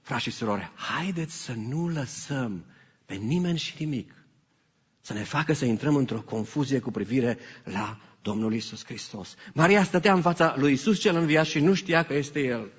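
A man preaching a sermon as pastor, animated and emphatic, with some English phrases mixed in. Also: mid-range voice, breathy edge. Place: church hall. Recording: hall reverb, dull lo-fi sound.

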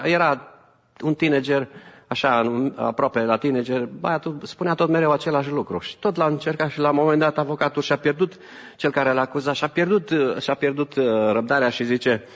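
A man preaching a sermon to his congregation, moving between raised emphatic lines and quieter asides, with a few English phrases mixed in. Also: medium pitch. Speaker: pastor. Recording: reverberant hall, dull lo-fi sound.

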